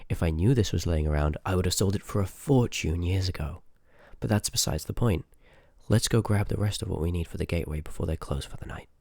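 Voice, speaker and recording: A man's voice: low voice, brisk, vocal fry, darkish tone, dry recording. A man playing a rude, sardonic, curious sorcerer in a fantasy ASMR audio roleplay, with dry banter spoken straight to the listener. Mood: suspicious, sardonic. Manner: sarcastic, dry banter with muttered asides.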